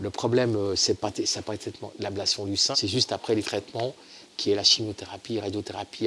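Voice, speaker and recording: With noticeable background noise behind him, a man speaks in a flat monotone at a fairly low pitch and a fairly quick pace. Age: 60s. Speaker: breast cancer patient. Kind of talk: testimony. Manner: halting.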